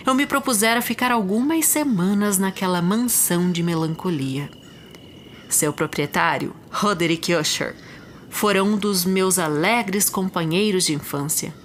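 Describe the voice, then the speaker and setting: A woman with a Brazilian accent narrating a classic short story as an audiobook, in a measured, expressive literary reading. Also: lowish voice, slight background noise. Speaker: podcast host and literary narrator. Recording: music behind the voice.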